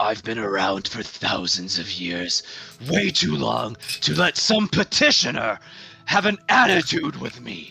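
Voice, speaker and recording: Faint music plays in the background as a man in a put-on character voice speaks at a fairly slow pace. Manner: menacing.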